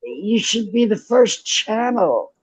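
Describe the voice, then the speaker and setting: Chatty co-host, a woman with a faint Jersey accent, lively pitch, dry close sound. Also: slow pace, slightly rough, dry recording, poor audio. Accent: slight New Jersey. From New Jersey. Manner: chatty, laughing, swears freely. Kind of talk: casual livestream chat.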